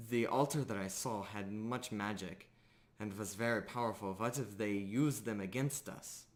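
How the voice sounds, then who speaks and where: A man voicing an earnest female undead death knight in a tabletop game, speaking in a halting, solemn, formal way. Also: on the low side. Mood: pleading.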